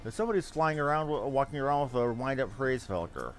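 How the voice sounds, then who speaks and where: A man's voice: medium pitch, lively intonation, fairly quick. A man giving casual, rambling gameplay commentary as a streamer, thinking aloud as he goes. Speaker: game streamer. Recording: game music behind voice. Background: video game music.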